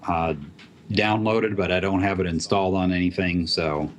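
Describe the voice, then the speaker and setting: Low-voiced guy talking code, lots of ums, faint hiss behind. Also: fairly even intonation. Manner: halting, many fillers and restarts. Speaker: app developer guest. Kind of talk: casual tech chat.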